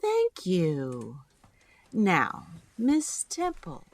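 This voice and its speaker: An actress playing a stern, exacting schoolteacher, formal and pointed, in an audio drama. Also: female voice, on the low side, huge pitch swings, very slow, full character voice. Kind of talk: full-cast audio drama acting.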